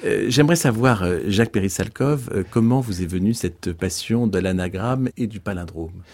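A man's voice: lowish voice, normal speed, a little mellow. A man hosting a radio interview, speaking hesitantly with many filler sounds. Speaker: radio host.

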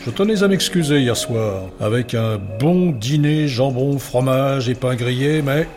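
A playful little nightmare creature, put on by a man, stretching its words in a mock-menacing, teasing way. The voice sits a little higher than his own, and clear music plays underneath the radio storytelling. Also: unhurried, darkish tone, lightly acted.

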